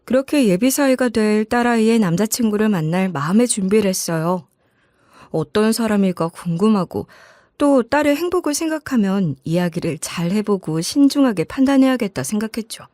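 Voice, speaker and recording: A woman's voice: mid-range voice, expressive, moderate pace, warm tone, no room sound, clean studio sound. A woman narrating a scripted first-person family story in the role of a mother.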